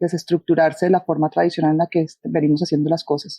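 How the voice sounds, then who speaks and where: This woman speaks at a fairly low pitch. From Colombia, Cali. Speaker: advertising executive. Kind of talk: interview.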